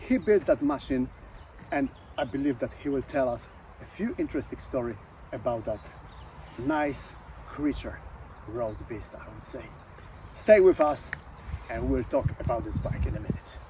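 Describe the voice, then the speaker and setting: Speaking with a Polish accent, a man keeps a moderate pace broken by long, frequent pauses. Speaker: motorcycle channel host. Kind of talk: video intro and interview.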